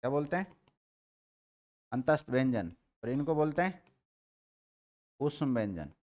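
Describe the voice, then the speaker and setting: A man teaching Hindi grammar to a live class, drilling students and repeating letters slowly, with a Rajasthani Hindi accent. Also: medium pitch, big pitch swings, a little mellow.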